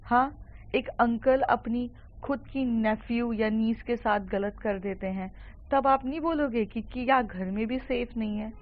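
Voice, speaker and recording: A woman's voice: on the high side, a little slow, highs cut off, natural voice. A woman voicing an argumentative schoolgirl who pleads her case. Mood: pleading.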